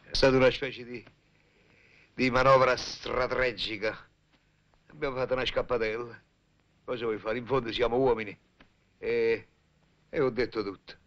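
An actor playing a fussy middle-aged uncle who makes sheepish, whiny excuses in an old film comedy. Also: male voice, medium pitch, steady tone, normal speed, long pauses, fairly bright tone, lo-fi sound, close to an everyday voice. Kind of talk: 1950s film comedy acting.

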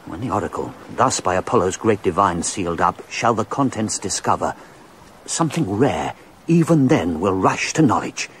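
An actor playing a courtier awed by the oracle, speaking expressively in a radio drama. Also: male voice, low-pitched, very animated, moderate pace, a little hiss or hum.

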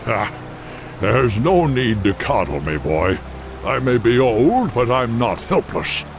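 A man's voice: medium pitch, big pitch swings, background noise. An actor playing an old, proud bull-man tribal chief in a fantasy game, speaking in a solemn, formal way. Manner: slow, solemn, formal speech. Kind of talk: fantasy video game acting.

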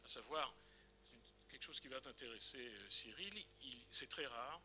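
A man's voice: medium pitch, expressive, normal speed, sharp tone, a little hiss or hum. A man giving an explanatory historical talk at a conference and addressing a colleague directly. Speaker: conference speaker. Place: conference hall.

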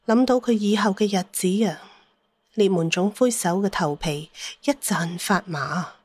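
A woman's voice: mid-range voice, measured pace, a little mellow, no echo. A woman with a Cantonese accent narrating a dramatised story as an audiobook reader.

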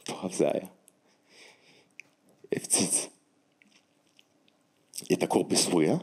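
A man with a low, deep voice and a husky edge tells a personal story. He speaks with animated emphasis and acts out the other people's lines. It sounds like a heartfelt testimony. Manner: animated, emphatic retelling with acted-out dialogue. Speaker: guest telling a personal story.

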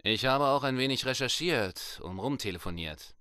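An actor playing a weary, methodical, dryly wry police detective in a German audio drama. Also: male voice, mid-range voice, lively intonation, moderate pace, pushed and bright, smooth, no echo, clean studio sound. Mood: weary, matter-of-fact.

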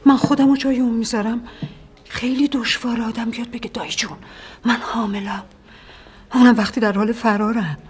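A woman's voice: a little high, husky. An earnest pleading young woman. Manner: earnest, pleading, soft-spoken at times. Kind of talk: TV period drama acting.

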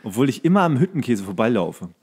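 Male podcast co-host, mid-pitched, casual, teasing, prone to rambling. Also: sing-song, fast, darkish tone, slightly rough. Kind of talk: casual comedic chat.

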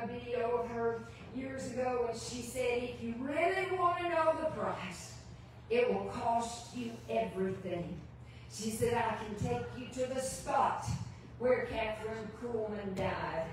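A woman's voice: a little high, darkish tone. An older, retired woman teaching the Bible in a devotional sermon, earnest and emphatic, repeating phrases for emphasis. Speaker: Bible teacher preaching in church. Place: large church sanctuary, indoors. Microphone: distant camera microphone. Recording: echoey church hall from far off, background noise.

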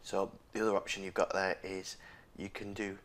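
Hoarse from a sore throat, a man with a deep voice walks viewers through tech in a casual screen recording. He keeps his pitch mostly level at normal speed, stumbling into frequent fillers and restarts.

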